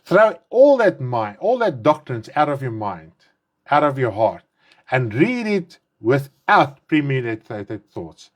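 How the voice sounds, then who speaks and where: A man in his fifties whose first language is Afrikaans, preaching an online sermon in English with an Afrikaans accent. He talks earnestly, repeating and rephrasing himself with emphatic stresses, and says his mouth is dry. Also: mid-range voice. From South Africa. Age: 50s. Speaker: pastor.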